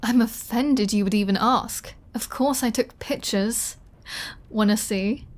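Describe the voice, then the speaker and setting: A woman's voice: on the high side, lightly acted. Casting: a woman to play a seductive, possessive vampire lady for ASMR audio drama; leisurely delivery, teasing menace. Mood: playful, flirty. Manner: slow, teasing, playfully threatening.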